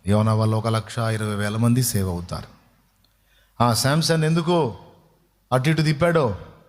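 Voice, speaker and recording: A male pastor with a medium-pitched voice preaches unhurriedly, with a long reverb tail trailing his words. He tells stories and asks his listeners rhetorical questions.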